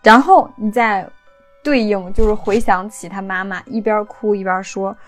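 A woman's voice: mid-range voice, fairly even intonation, normal speed, faint music behind. A woman hosting a podcast, telling a story in a chatty, casual way. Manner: chatty, with frequent erhua endings. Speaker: podcast host.

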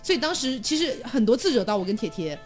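Woman cohost, fast chatty stories, kinda high voice, music under it. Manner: lively storyteller, laughs often. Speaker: podcast co-host. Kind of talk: casual chat. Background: soft background music.

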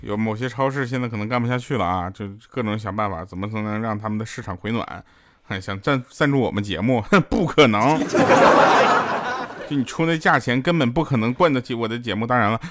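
A man's voice: medium pitch, fast talker. A man hosting a podcast, telling jokes in a teasing comedy monologue and chuckling through his punchlines. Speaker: podcast host. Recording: loud hiss and clicks.

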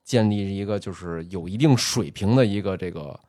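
Male podcast host, low voice, storytelling chat with many fillers, dry sound. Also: dark tone, dry recording. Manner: storytelling, drawn-out filler particles. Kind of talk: casual chat.

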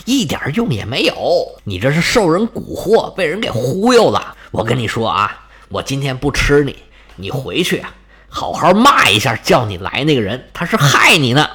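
A man's voice: medium pitch, very animated, moderate pace, sharp tone, slightly rough, voice pushed down, heavily acted. A man doing a lazy, boastful monster lion.

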